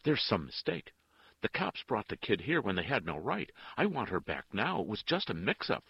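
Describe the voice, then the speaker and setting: Man acting a desperate, agitated father, gravelly. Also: on the low side, big pitch swings, normal speed, no echo, muffled recording, pitched above the performer's own voice, full character voice. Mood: insistent. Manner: insistent, gasping, pleading.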